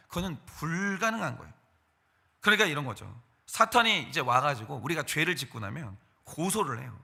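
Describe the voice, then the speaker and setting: Male pastor, high and very bright voice, lively emphatic sermon delivery. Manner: acts out quoted voices of Satan and believers; emphatic, animated preaching. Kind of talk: morning sermon. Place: church.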